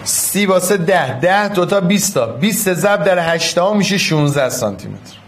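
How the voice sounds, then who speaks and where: Male physics teacher, fairly high voice, online class, coaxing and repeats every step. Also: expressive, a little hiss or hum. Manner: coaxing, affectionate, repeats key steps.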